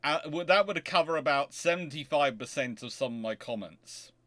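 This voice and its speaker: A man hosting a casual livestream, chatting in a halting, digressive way with wry, mildly sarcastic asides. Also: fairly high pitch, animated, sharp tone. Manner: halting, digressive, self-interrupting. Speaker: livestream host answering chat. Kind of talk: casual rambling livestream chat.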